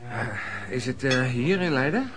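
An actor playing a shrewd but sociable peddler in radio drama dialogue, talking in a hesitant, colloquial bargaining manner. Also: male voice, medium pitch, expressive, normal speed, background noise, close to an everyday voice. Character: shrewd but sociable male peddler, haggling while acting helpful. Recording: busy room with loud chatter. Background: crowd chatter.

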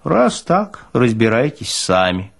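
A man's voice: medium pitch, sing-song, slow, creaky, breathy edge, heavily acted. A male actor voicing a hearty young morgue orderly with a sugary, ingratiating singsong manner. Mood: puzzled, put out.

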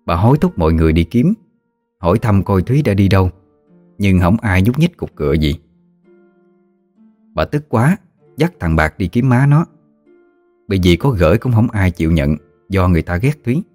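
A man tells a ghost story in a steady, somber way. His voice is very deep, and soft music plays faintly underneath. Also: normal speed, long pauses.

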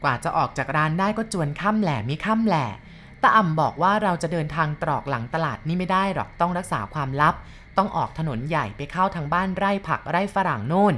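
A woman reading a first-person ghost story aloud in a plain, unhurried way. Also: lowish voice, lively intonation, fairly bright tone, a little hiss or hum.

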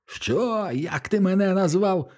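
Brief: spiteful fat older man, as a male reader puts him on, yelling and jeering. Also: high-pitched, lively intonation, takes it slowly, pitched above the performer's own voice, full character voice. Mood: sneering rage. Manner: coarse, sneering, yelling.

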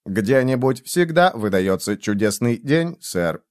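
Мужчина, читающий аудиокнигу, озвучивает услужливого робота-бармена холодным, механическим, однообразным голосом. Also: male voice, medium pitch, lively intonation, unhurried, a little mellow, clean tone, dry recording, studio quality, natural voice. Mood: beaming. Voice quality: cold, mechanical, repetitive. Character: cold, obliging male robot bartender. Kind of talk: audiobook reading.

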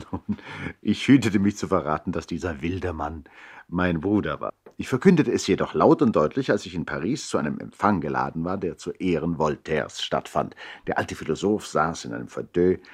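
A wry nobleman recalls his eccentric brother in a 1960s radio play. His voice is very low and husky, with a measured, reflective storytelling manner. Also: heavily acted. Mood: amused reminiscence.

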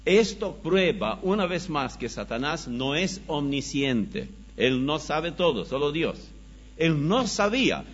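Man, preacher, slow emphatic scripture reading, lively pitch, muffled lo-fi recording. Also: slightly rough. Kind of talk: Bible study sermon. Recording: dull lo-fi recording.

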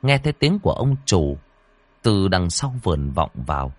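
A man's voice: low voice, sing-song, moderate pace, dry recording. A man narrating a ghost story in a suspenseful, dramatic way.

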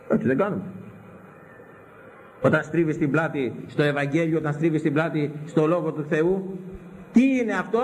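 A man's voice: a little high, a little hiss or hum, rough recording. A man preaching a sermon on scripture, stern and impassioned, firing off rhetorical questions at his listeners.

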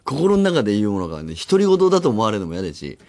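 Lively radio host man with low voice. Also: fast talker. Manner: rambling, animated storytelling with acted-out asides. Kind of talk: casual radio talk. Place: radio studio. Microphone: studio microphone.

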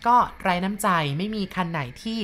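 A woman narrating a ghost story in a polite, steady way, often softening her sentences. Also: medium pitch, fairly quick, a little hiss or hum.

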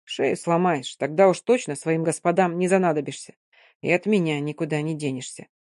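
A woman reading a novel aloud, voicing a grim Gypsy rogue with a low, hoarse voice and curt, gruff speech. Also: a little fast, darkish tone, no echo, studio quality, close to an everyday voice. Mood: menacing calm.

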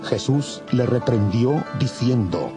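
A man narrating a dramatized audio Bible in a measured, formal way. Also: mid-range voice, expressive, music in the background.

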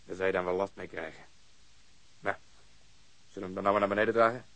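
An actor playing an excitable man who fires off sharp questions in a radio drama. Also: deep voice, quick pace, a little hiss or hum. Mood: dry.

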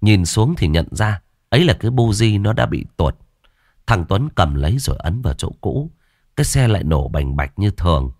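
A man narrating a horror story in a lively, expressive way. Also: low-pitched, moderate pace, no echo, clean studio sound.

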